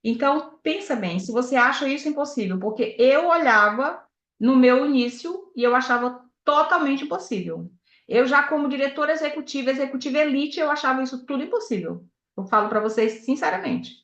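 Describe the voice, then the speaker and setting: A sales director gives a motivational talk in a high, fairly quick voice. She is animated, tells personal stories, and puts direct questions to her audience. The recording is echoey and has a dull, lo-fi sound.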